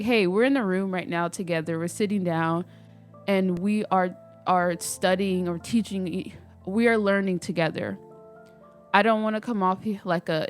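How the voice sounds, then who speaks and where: Woman, casual vlog chat, stuffy nose, slightly nasal, rambling with fillers, mid pitch. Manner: rambling, many "like" fillers and restarts. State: stuffy, a little nasal from a cold. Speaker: spiritual vlogger. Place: at home, doing her hair.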